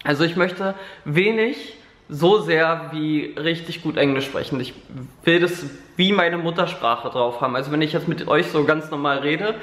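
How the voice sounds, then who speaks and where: A young man talks casually into a handheld camera at home, rambling along with plenty of fillers. His voice sits a little high. The room around him rings with a noticeable echo. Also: moderate pace, fairly bright tone. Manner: rambling, filler-heavy, chatty. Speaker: vlogger. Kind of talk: casual daily vlog chat. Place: living room at home, indoors. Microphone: camera held at arm's length.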